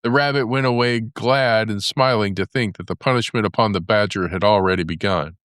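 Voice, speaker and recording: A man narrating a fairy tale as a storybook, in a measured storytelling manner. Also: lowish voice, a bit bright, smooth, no echo, clean studio sound. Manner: measured storytelling with character voices for dialogue.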